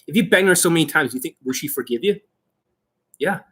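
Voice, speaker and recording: A man giving informal coaching to online viewers as their host, brash and boastful, with emphatic, sweary delivery and a slightly rough, husky voice. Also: fairly high pitch, animated, brisk, a bit bright. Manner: acts out mock exchanges, emphatic.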